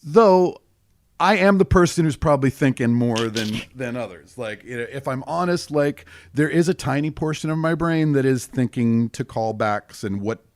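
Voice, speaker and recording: A middle-aged man with a deep voice, an improv performer and teacher talking casually in a podcast interview, often acting out bits of scenes. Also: dry recording. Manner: animated, acts out quick bits of scenes with laughs.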